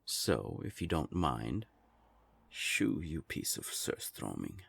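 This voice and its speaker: Sardonic vampire envoy played by a man for audio drama: very low, creaky, condescending, formally spoken. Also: sing-song, slow pace, fairly bright tone, heavily acted. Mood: taunting. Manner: sardonic, taunting, formal phrasing. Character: sardonic non-binary vampire council envoy, smug and taunting. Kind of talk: scripted audio drama acting.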